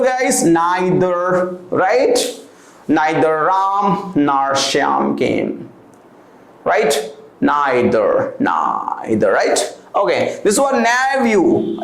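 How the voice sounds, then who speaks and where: An Indian-accented man with a fairly high, very animated voice leads an English class and drills each word with example sentences. His first language is Hindi, and he often switches into it. The sound carries a roomy classroom echo. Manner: lively, repeats words with sample sentences. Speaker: English teacher. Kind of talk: classroom vocabulary lesson, mixing Hindi and English.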